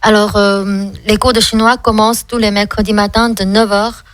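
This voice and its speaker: Female radio guest, native Chinese speaker with Chinese accent, medium pitch, conversational and somewhat halting, dry acoustic. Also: flat delivery, no room sound. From China. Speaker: interview guest, Chinese language association representative. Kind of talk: conversational radio interview answers.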